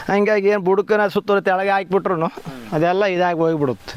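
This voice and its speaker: The man keeps his intonation fairly even. Noticeable noise is heard behind him. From Chitradurga district, Karnataka (Challakere taluk). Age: 60s. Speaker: farmer. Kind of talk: casual interview on farm tour. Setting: outdoors in areca plantation.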